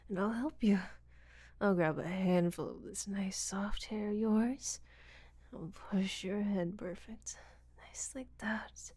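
A woman playing a breathy, giggling seductress. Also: mid-range voice, dark tone, no echo. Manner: breathy whispering, frequent giggles, teasing. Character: teasing, domineering seductive woman, rough-handed. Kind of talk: audio roleplay.

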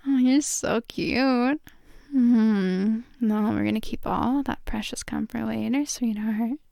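A woman performing intimate adult roleplay as a dominant, affectionate lover, murmuring drawn-out praise and sometimes slipping toward a whisper. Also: fairly high pitch, gravelly, mellow, no room sound, clean studio sound. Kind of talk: intimate erotic audio roleplay addressed to the listener.

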